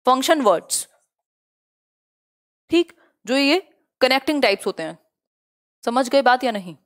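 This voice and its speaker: A young woman teaching English pedagogy in a live online class, mixing Hindi and English. She checks often whether her students follow and reads definitions out slowly. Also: high-pitched, animated.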